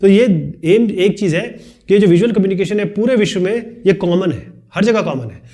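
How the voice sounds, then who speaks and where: A man teaching a video lesson, explaining quickly and chattily with joking asides. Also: high voice, lively intonation, warm tone. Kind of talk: fast classroom video lesson.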